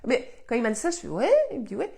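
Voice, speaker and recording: A woman's voice: fairly high pitch, very animated, quick pace, creaky, a little mellow. Belgian woman in her fifties, slight cold, casual chatty live host who laughs through her stories. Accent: Belgian French. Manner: chatty, laughs often, rambling anecdotes. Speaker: host answering live questions. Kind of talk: casual storytelling chat.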